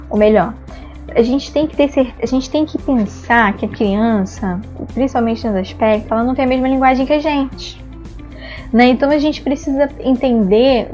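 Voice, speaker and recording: Brazilian lady explaining stuff in an online class, keeps saying né, kinda muffled audio, soft music behind. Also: a little high. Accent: Brazilian Portuguese. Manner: explanatory, frequent "né?" tags, acts out praise and "no" examples. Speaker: ABA therapy instructor. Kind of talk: online lesson to parents and therapists.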